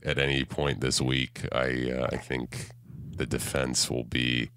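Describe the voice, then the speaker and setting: A man's voice: rumbling low, level tone, a little slow, fairly bright tone, a little hiss or hum. A man co-hosting a podcast in casual chat, teasing and joking a lot. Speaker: podcast co-host.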